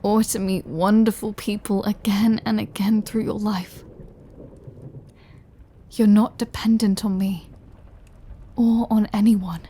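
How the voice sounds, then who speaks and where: A woman acts out an immortal female vampire, lonely, remorseful and tender toward her lover. Her voice is soft-edged and breathy, often sinking toward a whisper. She speaks very slowly, with long emotional pauses, as in an intimate audio roleplay. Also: mid-range voice, level tone. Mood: melancholy, tender. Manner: slow, hushed, emotional delivery with long pauses.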